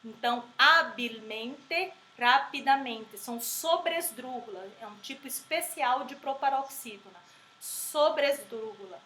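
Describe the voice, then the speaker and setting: A woman teaching a grammar lesson, explaining patiently and repeating example words slowly. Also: sits high, sharp tone. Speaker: Spanish teacher. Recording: echoey room with faint background noise.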